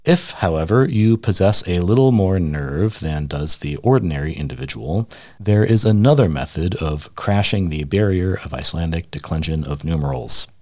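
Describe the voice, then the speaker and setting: A deep-voiced man reads a humorous essay in a dry, deadpan, mock-serious tone. His voice sits very low, and the recording is close and dry with no room sound. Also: moderate pace, no room sound. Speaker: radio essayist. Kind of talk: humorous essay read aloud.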